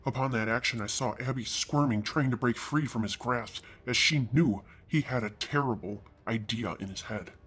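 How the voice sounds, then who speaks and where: Husky male storyteller. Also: mid-range voice, moderate pace, hardly any pauses, soft background music. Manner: earnest reading that rises sharply into shouted anger for the hero's lines. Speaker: story reader. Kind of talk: first-person narration of a fan story.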